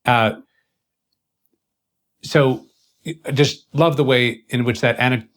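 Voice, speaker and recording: A man interviewing in an intellectual conversation, choosing formal words deliberately in broken, halting phrases. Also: mid-range voice, steady tone.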